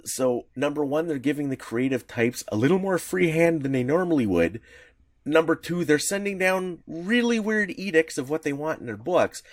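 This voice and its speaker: A podcast co-host with a fairly high, lively voice speaks at normal speed in a casual chat, recorded with studio quality and no echo. He's enthusiastic and rambling, tripping over frequent restarts as his ideas pile up.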